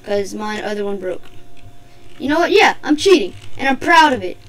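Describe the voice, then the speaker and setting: A woman giving gameplay commentary as a channel host, excitable and swearing often as she talks back at the game. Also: mid-range voice, moderate pace.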